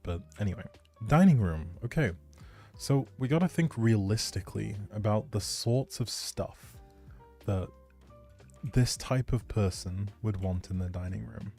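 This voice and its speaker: A man's voice: fairly low pitch, lively intonation, measured pace, vocal fry, mellow, soft background music. A man chatting casually and thinking aloud on a gaming livestream, easygoing and polite. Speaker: video game livestreamer.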